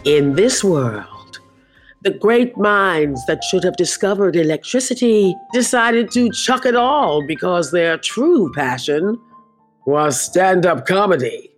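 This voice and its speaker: A woman narrating a scripted trailer in a measured, storytelling manner. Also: on the low side, lively intonation, soft background music.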